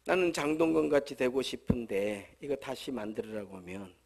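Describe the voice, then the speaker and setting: A man's voice: mid-range voice, normal speed, gravelly, a little mellow. A male pastor with a Jeolla accent, delivering a humorous, conversational sermon full of rhetorical questions at a church service. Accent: Jeolla Korean.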